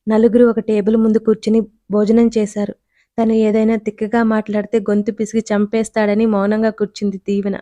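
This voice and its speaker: A woman storyteller reading a romance audiobook in a steady, scripted narration on a close mic. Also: medium pitch, fairly quick, dry recording.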